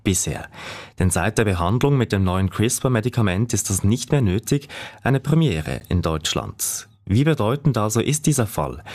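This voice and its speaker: A Swiss man presenting the radio news in a measured, formal way. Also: on the low side, darkish tone. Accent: Swiss German.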